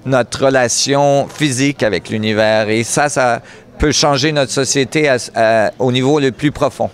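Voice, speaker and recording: A man with a Canadian French accent explaining ideas as an interview guest, earnest, pausing as he searches for words. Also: medium pitch, fairly even intonation.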